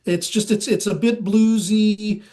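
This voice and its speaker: A man's voice: high voice, steady tone, measured pace, dark tone. A man with a nasal voice, talking casually and eagerly as a musician guest in an interview. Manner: rambling, eager, many fillers.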